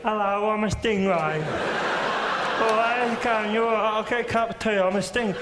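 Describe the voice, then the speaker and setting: A man's voice: sits high, normal speed, music in the background, pitched above the performer's own voice, natural voice. A man doing a placid, chatty stingray. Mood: mild, friendly. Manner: chatty and mild-mannered. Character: placid, polite, caring male stingray. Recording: reverberant live hall with loud ambience.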